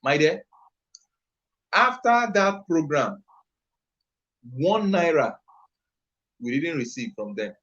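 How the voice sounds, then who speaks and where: A man's voice: a little high, very animated, slow, long pauses, a bit bright, lo-fi sound. A man with a Nigerian accent, an entrepreneur answering an interview question on a live stream, talking in a passionate, emphatic, rambling way. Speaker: entrepreneur and youth trainer, guest.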